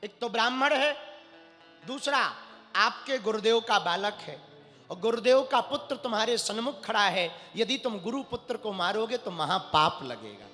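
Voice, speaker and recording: A man's voice: lively intonation, moderate pace. A preacher voicing a tearful pleading queen mother. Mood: urging. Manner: soft, pleading, lowered voice. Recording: echoey hall with faint music.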